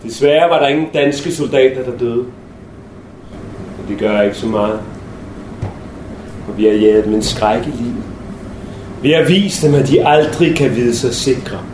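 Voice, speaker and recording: A man playing a fanatical male insurgent bomber, talking slowly and solemnly with triumph, in a roomy space with faint noise. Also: medium pitch, darkish tone, pitched below the performer's own voice, natural voice. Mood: gloating.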